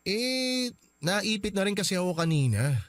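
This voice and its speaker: A man's voice: high-pitched, very animated, moderate pace, noisy background. A man playing a young husband in a radio drama, defensive and pleading. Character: young husband, soft-hearted and placating.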